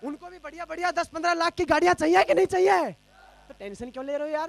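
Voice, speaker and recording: A man speaks in an animated tone, his voice dry and close with no echo, with music playing in the background. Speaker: motivational speaker. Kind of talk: motivational speech. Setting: stage with audience. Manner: loud.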